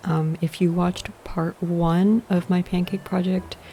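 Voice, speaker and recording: A woman whispers quietly while music plays in the background. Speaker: gaming YouTuber. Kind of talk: casual gameplay commentary. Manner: whispered, quiet.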